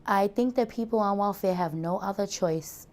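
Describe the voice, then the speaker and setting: A woman's voice: medium pitch, normal speed, a little mellow. A woman in her thirties with a Boston accent, speaking matter-of-factly in an interview. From South Boston, Massachusetts. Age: 30s.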